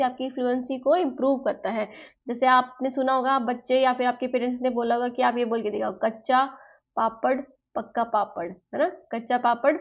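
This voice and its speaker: A woman teaching a lesson to teacher-training students, explaining step by step in Hindi mixed with English terms. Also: sits high. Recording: slightly dull, lo-fi sound.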